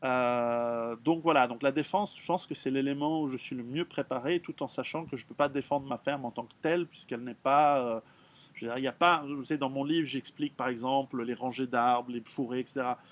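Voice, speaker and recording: Man, middle-aged, frank, blunt, halting, average pitch, casual monologue. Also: steady tone. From Switzerland. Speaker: author answering readers' questions.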